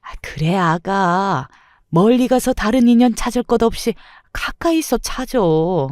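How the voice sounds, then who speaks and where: A shameless older mother-in-law shrieks back in a high, shrill, scornful voice, as a woman plays her. The sound is dry and close, like a storybook narration. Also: lively intonation, measured pace, a little mellow, dry recording, natural voice.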